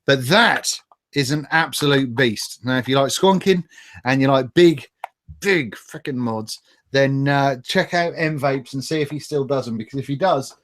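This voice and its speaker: A man's voice: mid-range voice, moderate pace, fairly bright tone. A man with a British accent hosting a livestream in a chatty, casual, sweary way. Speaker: livestream host. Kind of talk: casual chat, reading viewer comments.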